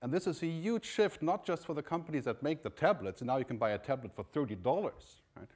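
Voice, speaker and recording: A man's voice: a little high, animated, fairly quick, darkish tone. A man from Germany giving a conference keynote in a large hall, talking conversationally with frequent "you know" and "right?" asides. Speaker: keynote speaker.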